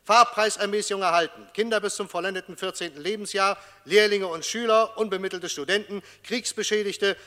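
A man's voice: high-pitched, steady tone, a little fast, hardly any pauses, sharp tone. A man playing an officious public announcer, formally reciting regulations and bulletins in a radio drama. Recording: long hall reverb.

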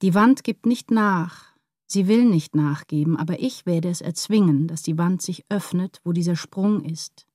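An actress playing an anguished, brooding woman writer in a literary radio drama, speaking in an introspective, measured way. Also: lowish voice, dark tone, dry recording, studio quality.

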